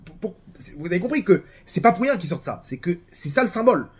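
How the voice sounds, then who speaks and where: Husky, high-voiced French man preaching. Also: fast talker. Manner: animated, many restarts and repeated words. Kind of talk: casual religious talk.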